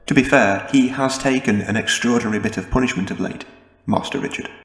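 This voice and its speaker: An actor playing a loyal older butler in a comic-book audio drama, proper, reserved and deferential. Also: male voice, mid-range voice, brisk, close to an everyday voice. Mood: reserved, weary. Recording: echoing hall with long reverb.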